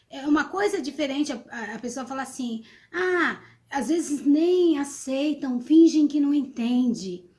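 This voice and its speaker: A high-voiced middle-aged woman talks to students. She explains patiently but hesitantly, with many fillers and restarts along the way. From São Vicente, Brazil. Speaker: interviewee, teacher.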